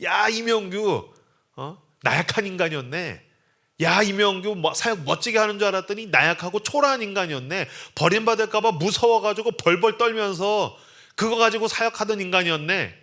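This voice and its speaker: A man voicing imagined acquaintances who loudly jeer at him for being weak. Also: high-pitched, normal speed, voice pushed up. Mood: sneering. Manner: loud, jeering and contemptuous.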